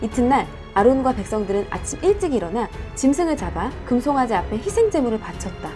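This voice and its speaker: A woman storyteller and host telling Bible stories in a dramatic, expressive way. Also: high voice. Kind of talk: dramatic Bible storytelling narration with casual asides.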